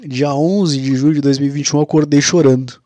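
Young guy w telling his own story, pretty flat and even, dry close sound. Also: a little high, fast, no echo. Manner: casual, confessional, with frequent "cara" and "né". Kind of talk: personal storytelling monologue.

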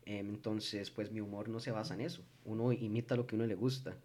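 A young man with a Costa Rican accent, hosting a casual streamed chat, animated and quick to laugh. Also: lowish voice. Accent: Costa Rican Spanish. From Costa Rica. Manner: animated, laughing, acts out quoted voices. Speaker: streamer host.

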